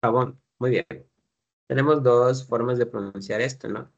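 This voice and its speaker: A man's voice: medium pitch, fairly even intonation, moderate pace, vocal fry, lo-fi sound. A man teaching an English class, explaining patiently step by step and drilling pronunciation.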